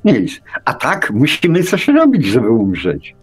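A man co-hosting a casual radio show, musing in halting phrases with many false starts. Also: medium pitch, huge pitch swings, breathy edge. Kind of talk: casual live radio chat.

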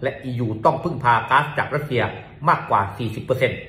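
Casting man, news presenter, brisk polite delivery, mid pitch, echoey room. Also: sharp tone. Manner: polite, with frequent particles. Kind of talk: reading a news commentary. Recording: roomy echo.

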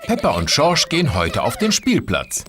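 A woman narrating a German cartoon dub in scripted storybook style, with even, plain storytelling. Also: a bass voice, normal speed, background noise.

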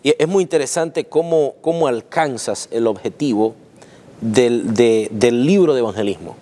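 A man's voice: medium pitch, dark tone. A man in his thirties interviewing an author, stumbling and repeating words as he praises the book. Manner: halting, repeats words, admiring. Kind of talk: interview questions. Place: dim church sanctuary. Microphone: lapel.

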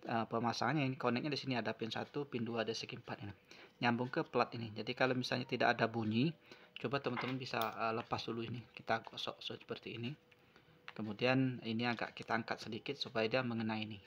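A man's voice: mid-range voice, flat delivery, quick pace, a bit bright, lo-fi sound, a little hiss or hum. A man narrating an unscripted hands-on repair tutorial, explaining step by step and often repeating himself. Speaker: phone repair tutorial presenter. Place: at a wooden table indoors.

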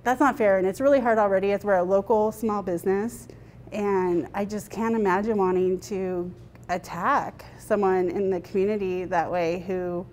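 A woman's voice: on the low side, a little mellow, a little hiss or hum. A woman in her thirties, a restaurant owner, talking candidly in a news interview in her dining room, retelling events. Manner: candid, conversational, tells events with quoted speech.

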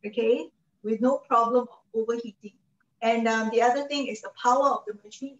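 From indoors in her home kitchen, a persuasive Malaysian cooking show host and product advisor in her forties presents products online in a high voice and Malaysian English. Her chatty delivery is dotted with "okay?" and "right?", and the webcam sound is muffled, distant, and echoey.

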